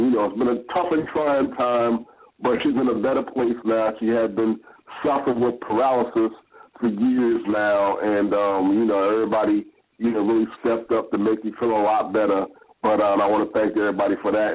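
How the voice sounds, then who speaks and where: A man co-hosting a podcast in loose, rambling casual chat, heard over a speakerphone line. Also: on the low side. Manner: loose, rambling, repeats phrases. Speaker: podcast co-host. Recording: tinny phone-line sound.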